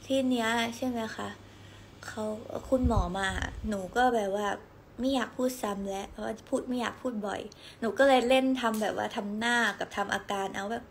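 A young woman hosting a casual livestream from home, telling stories in a chatty, giggly, animated way. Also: fairly high pitch, normal speed, vocal fry, slight background noise. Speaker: idol livestream host.

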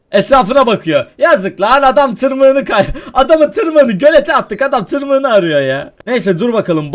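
A young man giving excitable let's-play commentary, often laughing and shouting as he plays, with faint game music behind. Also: high voice. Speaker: gaming YouTuber.

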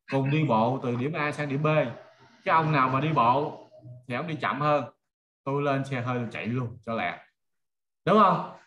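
In a muffled recording, an online marketing trainer, a middle-aged man with a Southern Vietnamese accent, teaches casually over a video call. His voice is a little high, pushed and bright, and he leans on everyday examples, often checking with rhetorical questions that people are keeping up.

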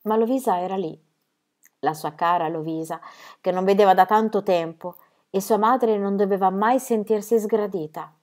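A woman narrating a children's novel, expressive and building in intensity during emotional passages. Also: mid-range voice, moderate pace. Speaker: audiobook reader.

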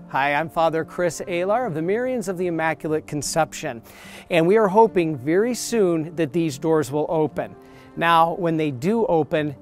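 A man in his forties, a priest, preaching earnestly to the camera outdoors on church steps, emphatic and steady, with soft music underneath. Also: a little high. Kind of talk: promotional sermon to camera.

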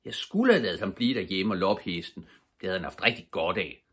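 An older man reading aloud, voicing a cheeky, fearless little girl in a lively, bold and playful way. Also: deep voice, slightly rough, heavily acted. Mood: merry. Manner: lively, bold, full of fun.

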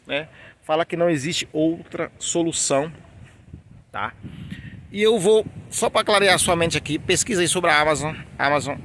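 A man's voice: sits high, a bit bright, a little hiss or hum. A man with a Brazilian Portuguese accent, a portrait artist giving an emphatic motivational talk straight to the camera, full of rhetorical questions. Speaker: portrait artist and channel host.

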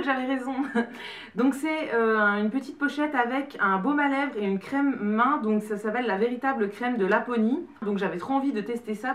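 A young French woman in her twenties chatting excitedly as she unboxes a gift parcel for her vlog. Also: on the high side, far from the mic. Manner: chatty and excitable, quick bursts of delight. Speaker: beauty vlogger. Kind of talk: casual unboxing chat. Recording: roomy sound from away from the mic.

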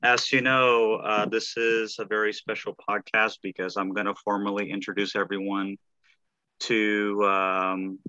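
A man hosting an online group podcast, talking in a halting way with lots of fillers and restarts. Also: fairly low pitch, flat delivery, bright, forceful tone, dry recording, dull audio. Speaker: podcast host and founder. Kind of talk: casual online group call.

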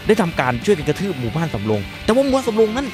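A man's voice: sits high, huge pitch swings, very fast, music in the background. A man telling a dramatic first-person story in colloquial speech, emphatic and suspenseful.

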